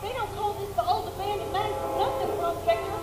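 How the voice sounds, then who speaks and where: Woman as a very high-pitched excitable cowgirl. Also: fairly quick. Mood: alarmed. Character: excitable, spirited young cowgirl toy. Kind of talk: animated cartoon acting. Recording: echoey, loud music behind.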